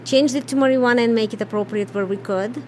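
A middle-aged woman from Ukraine with a Russian accent, answering interview questions in a plain, halting way and dropping small words. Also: fairly high pitch, a little mellow, a little hiss or hum. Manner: plain, halting, drops articles. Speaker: business owner.

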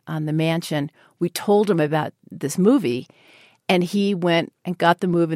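A woman's voice: deep voice, no room sound, clean studio sound. An older woman with an American accent, speaking earnestly and reflectively as a radio interview guest.

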